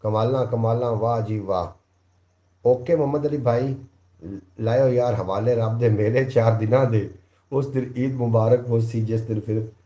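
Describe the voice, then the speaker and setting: A man's voice: medium pitch, steady tone, a little slow, warm tone, echoey room. A man with a Punjabi accent hosting a live stream, reading out viewer comments, thanking people one by one and now and then reciting couplets. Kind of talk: casual live chat.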